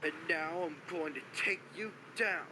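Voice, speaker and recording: A man doing a slow, menacing undead warrior. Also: a little high, sharp tone, a little hiss or hum.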